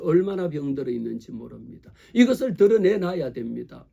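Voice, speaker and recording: Man preaching a sermon, high soft voice, asks the congregation lots of questions. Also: gravelly, muffled recording. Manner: animated preaching, acts out quoted voices; speaks directly to the congregation with rhetorical questions. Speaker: pastor.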